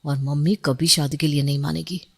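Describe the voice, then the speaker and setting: A woman's voice: low voice, fairly even intonation, a little fast, creaky, slightly rough, full character voice. A woman voicing a frustrated young husband in a cartoon story, weary and exasperated. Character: frustrated young husband, resentful of his mother.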